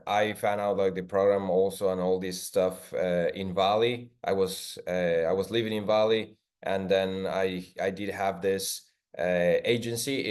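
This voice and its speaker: A man from Ecuador, a guest in an interview, speaking haltingly with many restarts. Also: deep voice, a little mellow. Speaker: interview guest, agency owner. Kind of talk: casual video call interview.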